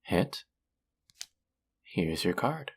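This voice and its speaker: Husky, creaky, teasing demon dealer played by a woman. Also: rumbling low, very animated, exaggerated voice. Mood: teasing, inviting. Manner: slow, teasing, flirtatious, taunting. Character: teasing, possessive demon casino dealer of the underworld. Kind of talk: flirty roleplay audio drama, intimate one-on-one.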